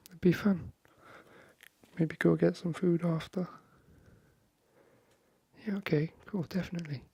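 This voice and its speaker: A man speaking softly and breathily, half whispering in a hesitant, friendly ASMR chat into a close microphone. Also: fairly high pitch, steady tone, unhurried, gravelly, husky, dry recording. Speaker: ASMR video creator. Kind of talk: soft-spoken ASMR, friendly chat roleplay.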